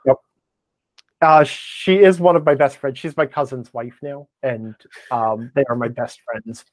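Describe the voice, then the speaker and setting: An American man chatting casually as a podcast guest, rambling and self-deprecating, with an animated, ranting way of talking. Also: on the high side, dry recording. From Wisconsin, United States. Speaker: podcast guest, blogger and game designer. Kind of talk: casual interview chat.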